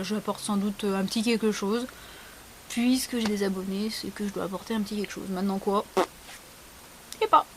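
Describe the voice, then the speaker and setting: A woman's voice: mid-range voice, slight background noise. A young woman vlogger talking casually and bluntly, sarcastic and frank, with lots of fillers. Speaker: beauty vlogger. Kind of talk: casual vlog answering a question tag.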